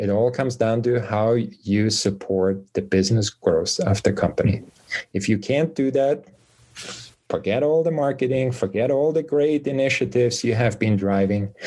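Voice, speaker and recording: Here is a man with an Austrian accent and a medium-pitched voice with ordinary pitch variation. He talks at a moderate pace, keeping his loudness very even. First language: German. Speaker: marketing executive. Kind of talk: interview answers. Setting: video interview.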